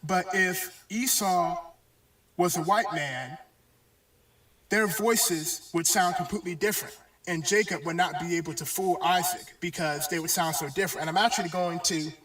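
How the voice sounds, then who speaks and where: A man giving a bible lesson in a halting way, with many pauses and fillers. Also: a little high, fairly bright tone. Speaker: religious teacher. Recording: echoey, distant video playback.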